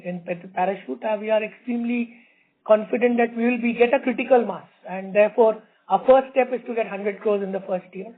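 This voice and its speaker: A middle-aged man with an Indian accent, an executive confidently answering questions on an earnings conference call, often repeating words as he explains. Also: high voice. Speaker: company executive. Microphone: conference call line. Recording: tinny narrow phone-line sound.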